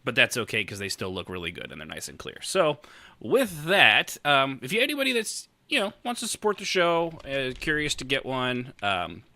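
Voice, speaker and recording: Male podcast host: rambling, jokey, sharply bright delivery with animated swings, recorded close and dry. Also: medium pitch, normal speed, vocal fry, no echo. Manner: rambling, joking, teasing. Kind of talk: casual chat, hosting a live roleplay podcast.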